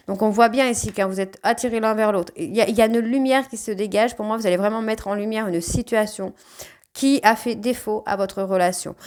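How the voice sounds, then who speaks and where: A woman with a northern French ch'ti accent giving a casual spoken tarot reading, often tagging her sentences with "hein". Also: mid-range voice. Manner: chatty, frequent "hein" tags. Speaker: tarot card reader.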